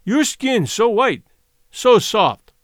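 A man's voice: very high voice, sing-song, fairly bright tone, no echo, clean studio sound, pitched above the performer's own voice, full character voice. A man doing a fierce young woman in broken English. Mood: slow, blunt. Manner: broken halting English, blunt.

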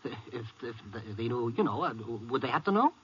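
A frightened small-time prisoner with a raspy, tense voice. He stammers and wheedles, whining and pleading, in 1950s western radio style. The old recording is dull. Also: medium pitch, big pitch swings, fairly quick, a bit bright. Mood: fearful, wheedling.

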